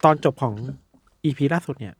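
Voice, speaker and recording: A young man co-hosting a casual podcast, telling odd news stories and acting out the people he quotes. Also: fairly quick. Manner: animated storyteller acting out quotes. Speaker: podcast co-host.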